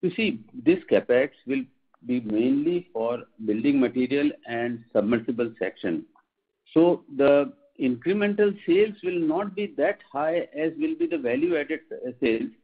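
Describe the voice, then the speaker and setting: A man with an Indian accent, a company executive answering questions on an earnings conference call in a measured, formal, explanatory way. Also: medium pitch, sing-song, creaky, breathy edge. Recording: muffled tinny phone line.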